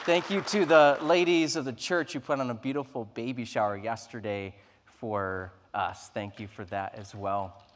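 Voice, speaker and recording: Over some background chatter, a man in his thirties who is lead pastor speaks earnestly and conversationally at normal speed, his medium-pitched voice steady. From the stage of a large, reverberant sanctuary, he makes announcements and an introduction, then leads a prayer.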